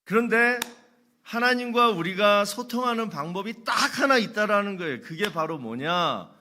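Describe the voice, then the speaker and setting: A man's voice: high voice, lively intonation, normal speed, pushed and bright. A middle-aged male pastor preaching a sermon, asking rhetorical questions and telling humorous anecdotes.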